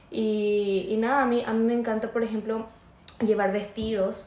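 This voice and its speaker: Fairly high-pitched female voice against noticeable background noise. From Paraguay, small town near Brazil. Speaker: guest. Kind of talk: casual chat.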